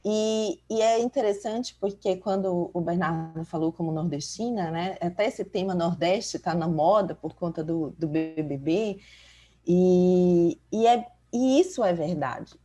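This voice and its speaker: A woman's voice: lowish voice, a little slow, mellow, soft background music. A woman from Salvador with a Bahian accent, a doctor co-hosting a podcast, talking reflectively and telling stories with frequent "né?" tags. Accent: Bahian Portuguese. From Salvador, Bahia, Brazil. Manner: reflective, storytelling, many filler tags like "né". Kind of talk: casual conversation.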